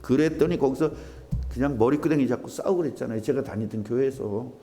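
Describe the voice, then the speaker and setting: A man preaching a sermon as pastor in a church, talking to the congregation in a conversational, animated way. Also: medium pitch, quick pace, soft background music. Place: church sanctuary. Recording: reverberant church hall.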